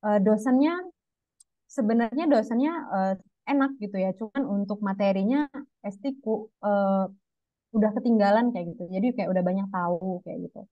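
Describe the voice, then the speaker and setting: A woman's voice: medium pitch, fairly quick, dry recording, dull audio. A young woman guest chatting casually in an interview, talking about herself by her own name. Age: young adult. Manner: chatty, refers to herself by name, calls host "Bang".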